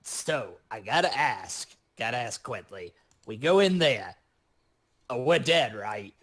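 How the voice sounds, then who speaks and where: A cheeky goblin demolitionist played by a man for a tabletop game, with a husky rasp. He takes his time, tossing out flippant, slangy wisecracks in a medium-pitched voice. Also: animated, slow, fairly bright tone, heavily acted. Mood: wry, casual.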